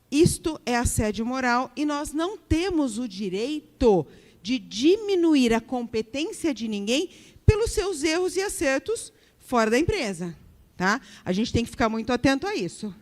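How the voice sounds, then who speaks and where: High-voiced Brazilian woman lecturing in a hall. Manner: keeps checking in with the audience, acts out example remarks. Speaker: workplace harassment trainer. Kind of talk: live training lecture to an audience.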